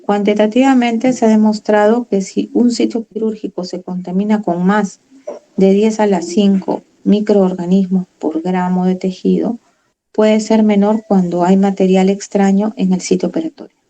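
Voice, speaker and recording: A woman's voice: medium pitch, level tone, moderate pace, warm tone, low-quality recording. A woman giving a medical lecture, reading from slides and then explaining in her own words with fillers and tag questions.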